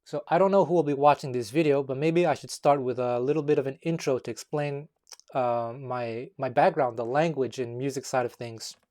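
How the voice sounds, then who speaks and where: A man from Montreal whose first language is Taiwanese speaks to the camera in a measured video essay. He chooses his words carefully and often pauses on um and uh. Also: medium pitch, steady tone, darkish tone. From Montreal, Quebec, Canada. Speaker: guitar teacher and musician.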